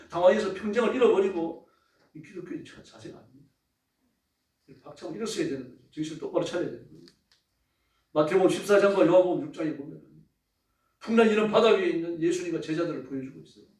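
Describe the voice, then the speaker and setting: A man's voice: fairly high pitch, a little mellow. A male pastor preaching a sermon with emphatic, rising exclamations. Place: church sanctuary. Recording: echoey church from a distance.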